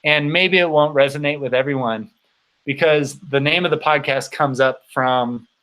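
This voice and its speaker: A man in his thirties chatting casually as host of a livestream, halting and rambling, his voice tired from long talking. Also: a little high, a bit bright, low-quality recording. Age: 30s. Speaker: host of a bicycle touring channel.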